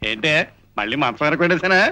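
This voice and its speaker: A bragging lecherous priest. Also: male voice, a little high, expressive, quick pace, sharp tone, clean tone. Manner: bragging, then whining in fright. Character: boastful lecherous older village priest. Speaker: village priest. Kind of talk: film comedy dialogue.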